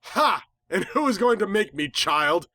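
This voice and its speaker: Male narrator as female nightmare monster, arrogant, sneering, bellowing, high-pitched, storybook reading. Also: expressive, unhurried, sharp tone, no room sound, heavily acted. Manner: haughty, bellowing.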